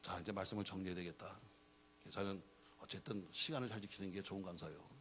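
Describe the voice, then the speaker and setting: A middle-aged pastor preaches a sermon, telling jokey stories in an animated way and acting out the dialogue. He has a deep voice and talks fast, with slight background noise in the recording.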